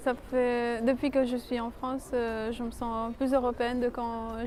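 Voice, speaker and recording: Audible room echo surrounds a woman speaking at a fairly slow pace with a high pitch. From Italy. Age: 20s. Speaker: chemistry student. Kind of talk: interview. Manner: hesitant, many filler sounds.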